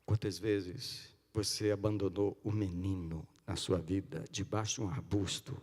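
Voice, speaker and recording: A man preaching a sermon in a church, swinging from loud cries to hushed pleading. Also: low voice, steady tone, unhurried. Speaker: pastor. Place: church sanctuary. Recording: long church-hall reverb.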